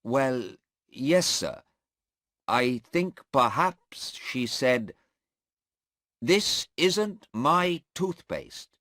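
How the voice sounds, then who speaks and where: A man's voice: medium pitch, sing-song, very slow, bright, forceful tone, no room sound, studio quality, voice pushed up, full character voice. A man voicing a nervous, polite airport policeman in a court. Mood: hesitant.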